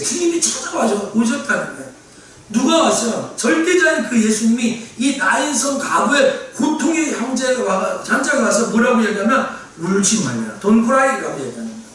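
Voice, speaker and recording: A male pastor preaching a sermon with emphasis, repeating key phrases and at times shouting. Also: very high-pitched. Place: church sanctuary. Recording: echoey church hall from far off, faint ambience.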